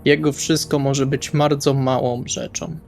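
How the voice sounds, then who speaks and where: Male RPG player, mid-range voice, colloquial and wry, improvised character talk with soft music behind. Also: mid-range voice, steady tone, a little slow, vocal fry. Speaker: tabletop role-playing player. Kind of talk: improvised in-character dialogue, casual.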